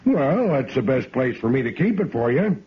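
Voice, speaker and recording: A slick joshing sergeant, breathy, dull vintage broadcast. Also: male voice, medium pitch, sing-song, normal speed. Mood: teasing. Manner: teasing, slick. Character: sly joshing army sergeant. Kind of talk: 1950s radio drama acting. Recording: dull old radio broadcast recording.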